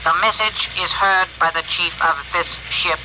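Stiff, formal alien envoy, high-pitched; 1950s radio play, hissy broadcast. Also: male voice, fairly even intonation, a little slow. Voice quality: stiff, formal, literal phrasing. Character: formal alien ship translator, male. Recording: noisy old radio broadcast.

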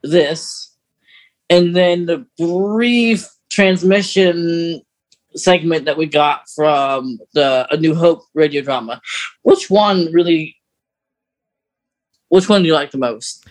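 A man's voice: on the high side, slow pace, rough recording. A man hosting a podcast, chatting casually and explaining things in a hesitant, conversational way. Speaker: podcast host. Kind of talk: casual chat discussing a story.

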